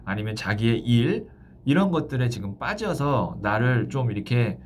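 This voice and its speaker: A man speaking as a tarot fortune teller, explaining a love reading to a client with thoughtful pauses. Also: mid-range voice, sing-song, slight background noise.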